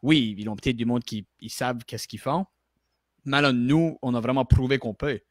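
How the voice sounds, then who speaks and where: A man's voice: mid-range voice, normal speed, no room sound, clean studio sound. A man from Baie Sainte-Marie with an Acadian French accent, chatting loosely as a guest and dropping English words into his French. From Baie Sainte-Marie, Nova Scotia. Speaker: guest actor. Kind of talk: casual live interview chat.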